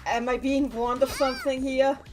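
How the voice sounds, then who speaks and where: A woman streaming a video game, chatting casually and reacting out loud to the characters on screen. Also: sits high, moderate pace, soft background music. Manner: animated, talks back to game characters, exclaims. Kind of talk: casual let's-play commentary.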